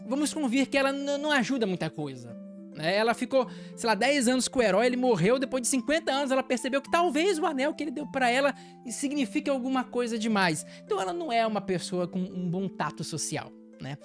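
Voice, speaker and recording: Chatty Brazilian woman, high voice. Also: fast talker, soft background music. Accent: Brazilian Portuguese. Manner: animated, chatty, laughs often. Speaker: anime channel host. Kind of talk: casual anime episode recap.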